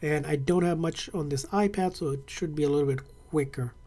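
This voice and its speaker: Male tech host, relaxed mellow voice, easygoing tutorial narration at a desk. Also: fairly high pitch, brisk. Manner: casual, friendly, with fillers. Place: indoor desk setup, hands on tablet.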